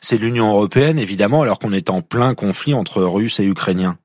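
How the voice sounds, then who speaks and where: A man hosting a news interview, briskly putting questions to his guest. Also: lowish voice, a little mellow, no echo, clean studio sound. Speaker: news host.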